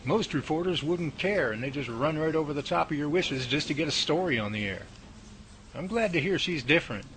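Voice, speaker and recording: A man's voice: on the high side, animated, fairly quick, fairly bright tone, slight background noise, low-quality recording. A man playing a plain-spoken, wary research colleague in a radio drama. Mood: approving, relieved.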